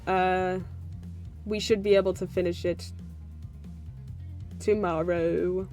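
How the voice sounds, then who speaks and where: A woman's voice: lowish voice, fairly even intonation, slow pace, mellow, faint music behind. A woman streaming a game, chatting casually as she wraps up while her voice is giving out. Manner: plays all the characters in one voice, sings bits to herself. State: losing her voice. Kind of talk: reading game dialogue aloud, then casual chat.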